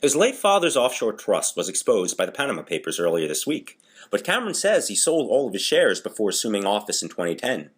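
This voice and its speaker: A man's voice: on the low side, huge pitch swings, fairly quick, breathy edge. A man reading scripted news briefs as a voice-over artist in an audition.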